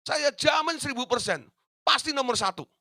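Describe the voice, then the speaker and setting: A man's voice: very high-pitched, moderate pace, no echo, studio quality. A man preaching a sermon as pastor, telling a story with lots of asides to the congregation. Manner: lively storytelling with many asides.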